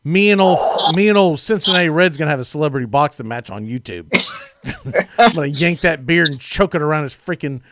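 A man hosting a casual sports talk show, animated and jokey, laughing often as he talks. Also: on the high side, brisk, dry recording.

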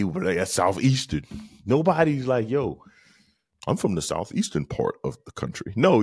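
A man's voice: lowish voice, dry recording, clean studio sound. A man with a Southern US accent hosting a casual solo podcast, thinking aloud and often stammering over repeated words. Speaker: podcast host and comedian.

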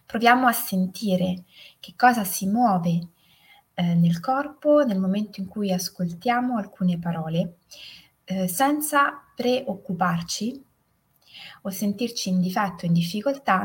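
A woman guides a quiet reflection, speaking slowly in a soft, half-whispered way. Her voice is breathy and husky, and it sits low. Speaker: podcast host.

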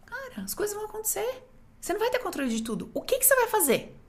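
A woman with a Brazilian accent hosting a podcast, telling stories in an expressive, emphatic, casual way. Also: very high-pitched, rapid-fire. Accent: Brazilian Portuguese. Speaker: podcast host. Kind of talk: casual chat.

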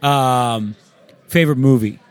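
A man's voice: medium pitch, a little slow, smooth. A man co-hosting an interview podcast with casual, informal and encouraging banter. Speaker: podcast co-host.

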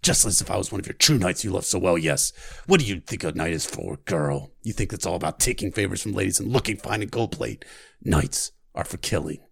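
A man's voice: deep voice, lively intonation, gravelly, husky, heavily acted. A man growling as a scarred, hateful warrior. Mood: menacing. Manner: harsh, growling, slow and taunting. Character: scarred, hateful grown male warrior, harsh and menacing.

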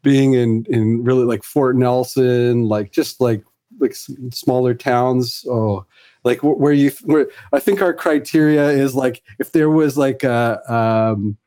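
A man's voice: medium pitch, measured pace, mellow. A middle-aged man from Fiji, a podcast guest chatting casually and rambling with lots of fillers and restarts. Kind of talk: casual conversational interview.

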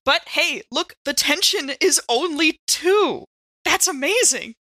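A woman's voice: high-pitched, animated, takes it slowly, pushed and bright, no echo, clean studio sound. A woman chatting casually as a player in a tabletop game.

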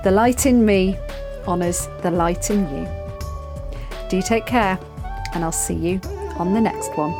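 A woman's voice: mid-range voice, a little slow, pauses often, music in the background. A woman hosting a podcast, chatting with a guest and closing the episode, effusive and grateful in manner. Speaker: podcast host. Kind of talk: casual interview and podcast outro.

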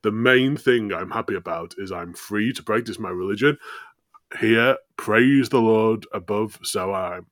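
A man's voice: deep voice, steady tone, moderate pace, fairly bright tone, no echo, studio quality. A man playing a pious Irish settler in colonial America, declaiming devoutly in an amateur comedy play. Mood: proud, devout.

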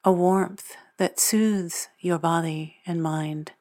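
A woman narrating a guided meditation as its guide, speaking in measured, deliberate phrases with long pauses. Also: on the low side, steady tone, mellow.

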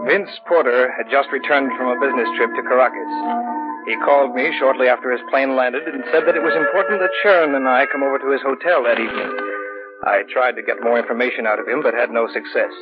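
An earnest, curious husband-narrator in an old radio play; muffled vintage sound with music underneath. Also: male voice, mid-range voice, fast. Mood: recounting. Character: earnest married man narrating his story. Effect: old radio broadcast recording. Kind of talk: 1950s radio drama acting.

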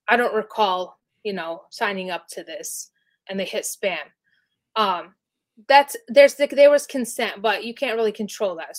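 A woman speaking as a guest expert in an interview, explaining in a casual, chatty way with lots of "you know" and "like". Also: medium pitch. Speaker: email marketing specialist, guest.

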